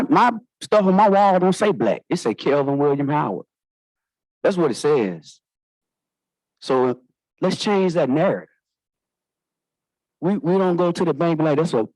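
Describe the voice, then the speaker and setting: A man's voice: a little high, animated, a little slow, long pauses, darkish tone, no echo, poor audio. A man with a Southern African American English accent giving informal, emphatic remarks on a panel, repeating phrases for effect. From United States. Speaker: lawyer, panelist.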